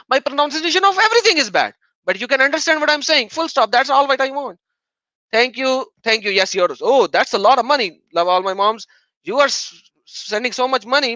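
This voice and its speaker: A man's voice: high voice, bright, forceful tone, no room sound, muffled recording. Man, native Urdu speaker, livestream debate host, argumentative, repeats himself, dry close sound. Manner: combative, repeats his point insistently. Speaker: livestream host reading viewer donations.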